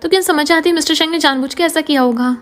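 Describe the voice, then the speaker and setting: A woman narrating a scripted drama recap briskly. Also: sits high, soft background music. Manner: brisk storytelling.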